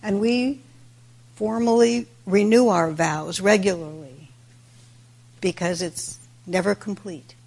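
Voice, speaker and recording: A woman with a raspy voice, a little worn today, giving a reflective Buddhist dharma talk in measured, deliberate phrases. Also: medium pitch, a little mellow. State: raspy voice today with throat clearing. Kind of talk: sermon, reflective religious talk.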